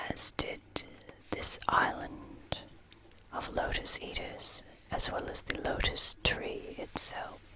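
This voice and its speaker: Someone whispers very slowly with long, frequent pauses against noticeable background noise. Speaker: ASMR creator. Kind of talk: ASMR literary commentary. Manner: whispered.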